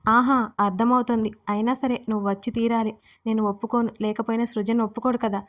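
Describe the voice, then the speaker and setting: A cheerful young bride-to-be teases and insists, as a woman reader puts her on, her voice a little high and kept fairly level. Told as a storybook audio drama. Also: flat delivery, a little fast, close to an everyday voice. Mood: teasing. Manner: playful, insistent.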